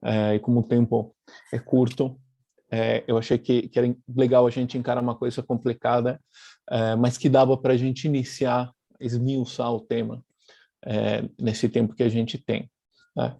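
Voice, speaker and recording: A man's voice: medium pitch, little pitch movement, moderate pace, gravelly, dark tone, no room sound. Argentine man presenting on a video call. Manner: thoughtful, many fillers and restarts. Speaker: guest speaker, publisher. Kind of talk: online lecture presentation.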